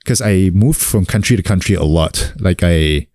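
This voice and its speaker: A man in his thirties from New Zealand, a guest in a relaxed interview, talking loosely with many fillers and restarts. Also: low-pitched, normal speed, dry recording. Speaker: guest, actor and coach. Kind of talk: casual sit-down interview.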